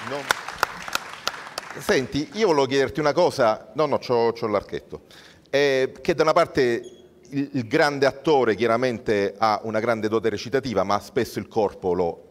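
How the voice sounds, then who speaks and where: A man asking a guest questions on a festival panel in a joking, lively way. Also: on the low side. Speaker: interviewer. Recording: reverberant hall.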